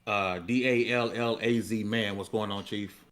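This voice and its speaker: A man's voice: fairly low pitch, steady tone, moderate pace, fairly bright tone. A man hosting a casual live talk show and introducing the panel. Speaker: host.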